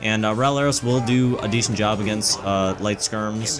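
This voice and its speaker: The intonation is fairly even as a man speaks. Music plays in the background. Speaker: gaming youtuber. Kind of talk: gameplay commentary. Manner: fast.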